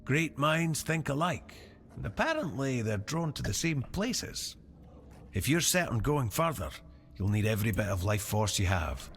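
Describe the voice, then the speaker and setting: An actor playing a weary, proud tribal warrior in a fantasy role-playing game, speaking gravely and deliberately with a fatalistic air. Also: male voice, medium pitch, big pitch swings, a little hiss or hum. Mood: guarded, proud. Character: weary, proud tribal warrior man camped at sealed doors.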